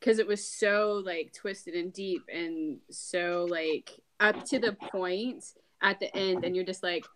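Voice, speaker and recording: A middle-aged woman in casual podcast chat, informal and excitable, with gushing emphasis. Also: on the low side, slow pace, few pauses, a little hiss or hum, poor audio.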